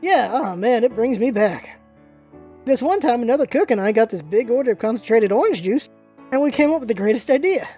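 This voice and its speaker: A woman's voice: a little high, animated, a little fast, dark tone, faint music behind. A woman playing an easygoing, reluctant but kind soldier in a story reading, talking in casual, slightly hesitant slang. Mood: amused.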